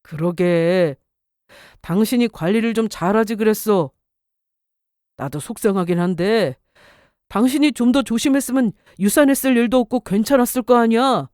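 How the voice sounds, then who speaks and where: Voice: medium pitch, moderate pace, darkish tone, no room sound, studio quality, natural voice. A voice actor playing a cold young husband who blames his wife in a radio drama. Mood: accusing. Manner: cold, accusing.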